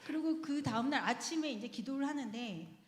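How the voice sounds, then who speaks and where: A woman gives a personal testimony in church, telling her story in a lively way and laughing between phrases. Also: high voice, brisk, very noisy. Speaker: church member giving testimony. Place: church sanctuary. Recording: echoey sanctuary with long reverb.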